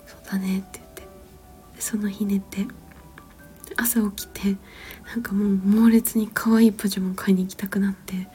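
A mother in her thirties whispering a long, rambling story, gentle and full of small fillers and soft laughs. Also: mid-range voice, level tone, moderate pace, pauses often, faint music behind.

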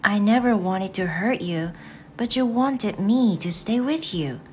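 A woman's voice: mid-range voice, expressive, measured pace, a little hiss or hum, lightly acted. A woman reading as an earnest little boy prince. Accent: Japanese.

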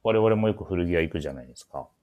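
Very low-pitched man, polite radio chat. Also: animated, racing, dark tone. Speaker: host of a menswear shop radio show. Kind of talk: casual radio-style talk introducing clothes.

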